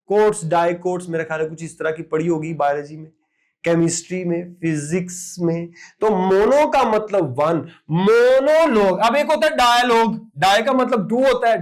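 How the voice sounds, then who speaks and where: A man teaching exam vocabulary, drilling word after word in an animated lecture. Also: extremely high pitch. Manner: lively, emphatic word-drilling with repeated "ठीक है".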